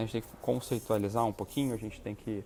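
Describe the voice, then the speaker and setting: A man talks in a soft-spoken way. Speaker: psychiatrist and family advice host. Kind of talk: live stream talk. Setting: restaurant, live stream.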